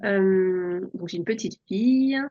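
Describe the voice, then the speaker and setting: Woman in her forties, soft-spoken, hesitant, lots of fillers, dull lo-fi sound. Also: mid-range voice, slow. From France. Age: 40s. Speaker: podcast guest. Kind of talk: relaxed personal interview.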